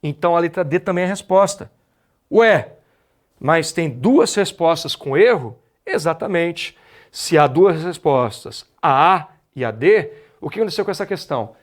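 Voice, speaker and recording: A Brazilian man with a Brazilian Portuguese accent delivers an exam-prep grammar lecture at a normal speed. His voice is on the high side and animated, and he explains step by step while repeatedly throwing rhetorical questions at the class.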